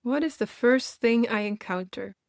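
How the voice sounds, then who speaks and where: A woman guiding a meditation for beginners in a gentle, reassuring manner, leaving unhurried pauses between phrases. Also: on the high side, no echo, studio quality. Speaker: meditation guide and host. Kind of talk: guided meditation, gently instructional.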